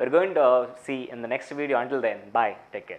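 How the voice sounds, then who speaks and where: With an Indian accent, a man speaks with ordinary pitch variation. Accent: Indian English, Telugu-accented. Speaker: exam coaching teacher. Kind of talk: tutorial announcement. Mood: friendly, upbeat. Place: classroom. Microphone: lapel.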